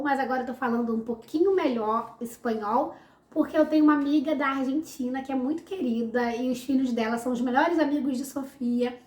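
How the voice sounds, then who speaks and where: Woman, Brazilian accent, high voice, chatty and upbeat, echoey room. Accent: Brazilian Portuguese. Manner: chatty, upbeat, talks with many fillers. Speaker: vlogger answering follower questions. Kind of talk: casual Q&A vlog. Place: home, room with a window.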